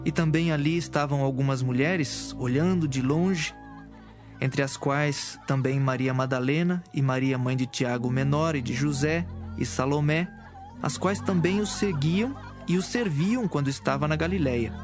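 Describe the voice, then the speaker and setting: Higher-pitched man narrating scripture. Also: normal speed. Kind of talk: scripted audio Bible narration. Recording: music behind the voice.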